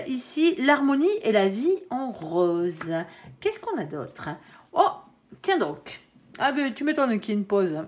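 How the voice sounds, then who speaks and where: A woman doing a casual tarot card reading, chatty and peppered with "hein", talking straight to her viewers. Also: a little high. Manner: addresses viewers and her angel directly. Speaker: tarot reader.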